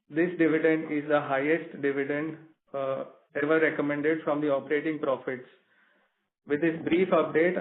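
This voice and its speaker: A male company executive reading out prepared financial results in a steady, measured way. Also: fairly high pitch. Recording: tinny phone line.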